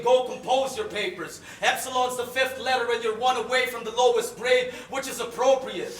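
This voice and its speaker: A man from the Philippines performing battle rap, hurling rhymed insults and sometimes shouting them. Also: very high-pitched. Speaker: battle rapper. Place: live battle venue. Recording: echoey room, noisy live audio.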